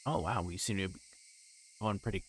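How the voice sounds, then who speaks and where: A man's voice: low voice, normal speed, a little hiss or hum, poor audio. A man livestreaming a visual novel, reading the narration aloud with casual asides and occasionally stumbling over and repeating lines.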